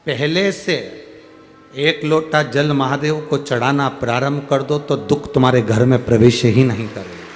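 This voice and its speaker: A man preaching as a Hindu scripture storyteller to a gathering, emphatic, repeating phrases and drawing out words. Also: mid-range voice. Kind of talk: devotional sermon to a gathering, reading out devotees' letters. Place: large public religious gathering. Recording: echoey large-venue PA with music.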